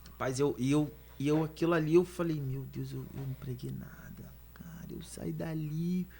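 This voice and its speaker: This man speaks at a moderate pace, his loudness swinging widely. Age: 30s. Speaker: itinerant pastor and barber. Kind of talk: testimony.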